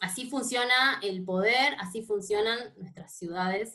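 Ordinary pitch variation and a fairly slow pace in a plain, everyday voice. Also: woman. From Salta, northwest Argentina. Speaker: cycling activist. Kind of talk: interview.

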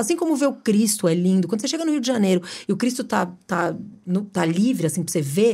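A woman talks in a fairly high voice with lively intonation. Her tone is dark and mellow, and somewhat breathy. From São Paulo, Brazil. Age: 40s. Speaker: entrepreneur and DJ. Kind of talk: casual chat.

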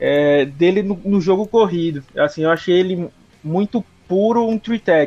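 Fairly slow speech from a man with a high voice, its pitch varying in an ordinary way. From Brazilian Northeast. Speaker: NFL draft analyst. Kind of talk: casual chat.

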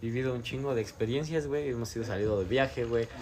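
A man speaks with a Mexican accent. Noticeable background noise runs behind him. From Mexico. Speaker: podcast co-host. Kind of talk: casual chat.

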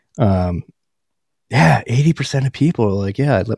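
A man of medium pitch speaks with an American accent, a dark, mellow, somewhat breathy tone and very wide pitch swings. His moderate pace comes through in a very clean recording with a silent background, dry and close with no echo. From Philadelphia area, Pennsylvania. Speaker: podcast host. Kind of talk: casual chat. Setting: live stream recording. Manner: animated.

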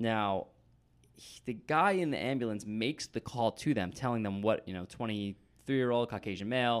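This man has an unremarkable speaking voice, medium in pitch with ordinary pitch variation, and he talks at a moderate pace. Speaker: podcast co-host. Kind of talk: casual chat.

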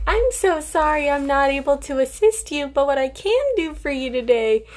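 In a put-on character voice, someone talks at a high pitch and a moderate pace. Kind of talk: scripted, polite-formal wording. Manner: aggressive.

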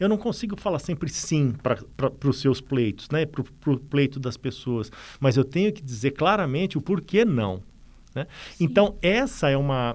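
A man's fairly high voice with very wide pitch swings at a fairly slow pace, in a very clean recording over a silent background. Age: 50s. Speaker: journalism and oratory professor. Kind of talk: interview. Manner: halting, many repetitions.

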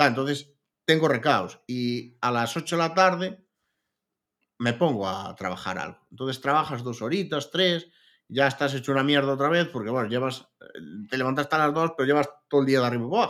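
A normal speaking voice from a man at a fairly quick pace, on a very clean recording with a silent background. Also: fairly high pitch for a man, ordinary pitch variation. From Galicia, Spain (Lugo). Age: young. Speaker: co-founder of a hosting company. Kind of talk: interview conversation. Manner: casual, conversational.

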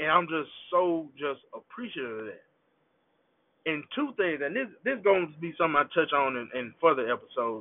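Speaking at a fairly quick pace, a man with a fairly high pitch sounds animated, his loudness swinging widely. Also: lively intonation. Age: 20s. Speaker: podcast host. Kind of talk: casual monologue. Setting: outdoors.

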